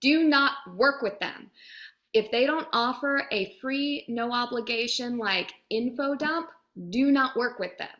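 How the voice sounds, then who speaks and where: Woman, fairly high voice, direct, emphatic, conversational interview guest. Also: a little slow, fairly bright tone. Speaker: voiceover demo producer being interviewed. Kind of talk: casual interview chat.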